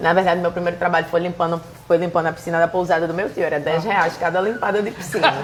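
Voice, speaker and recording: Noticeable background noise sits behind a woman with fairly low pitch. She speaks at a very fast pace with monotone, flat intonation. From Brazil, Recife (Pernambuco). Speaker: cultural producer. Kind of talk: casual interview chat. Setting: bar.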